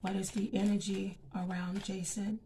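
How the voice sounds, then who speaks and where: A woman's voice: mid-range voice, level tone, normal speed. Scratchy-voiced woman doing a tarot reading. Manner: chatty, frequent um and okay. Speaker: tarot reader. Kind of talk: casual tarot reading to camera.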